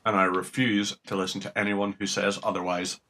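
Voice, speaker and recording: Gamer guy chatting while he plays, slightly low voice but bright, swears a lot, rambly. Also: flat delivery, brisk. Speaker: gaming streamer. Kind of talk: casual commentary while playing.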